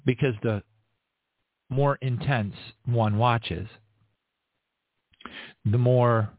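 A man's voice: mid-range voice, fairly even intonation, dry recording. Earnest man praying over a tinny line. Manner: earnest, halting, with frequent restarts. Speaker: prayer leader. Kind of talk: spontaneous spoken prayer. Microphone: online stream. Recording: tinny phone-like line, dry.

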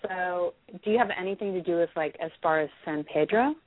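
Hoarse woman psychic reading for a caller; lowish pitch, halting then sure, dry tinny phone-quality sound. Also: no room sound. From United States. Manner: hesitant, many ums, then firm predictions. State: hoarse with a cold. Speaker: psychic reader.

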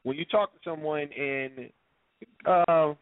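A man's voice: fairly high pitch, slow pace, no room sound, narrow, tinny audio. A man on a talk radio show, explaining his views at length with worked examples in a casual way.

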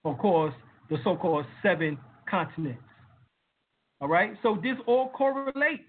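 A man's voice: high voice, sing-song, a little slow. A man hosting a live-stream lecture, talking casually with lots of fillers and building emphasis. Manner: emphatic, with many fillers and rising heat. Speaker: lecturer and show host. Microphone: video call. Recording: tinny phone-like line.

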